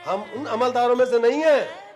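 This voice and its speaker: A man's voice: extremely high pitch, fairly quick, a little mellow, faint music behind. A man playing a haughty, exploitative village landlord in a rural drama, with bossy, coarse rustic speech. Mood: indignant. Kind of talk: Hindi rural period drama acting.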